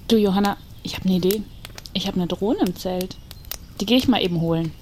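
A woman's voice: mid-range voice, brisk, a little mellow. A woman acting out chatty, scripted dialogue in an audio play. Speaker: podcast host acting in a short audio play. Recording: noisy binaural campfire scene.

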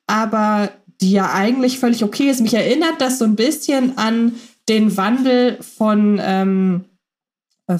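A woman's voice: a little high, darkish tone. Woman musing, hesitant podcast host. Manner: thoughtful, many filler sounds and hesitations. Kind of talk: casual analytical chat.

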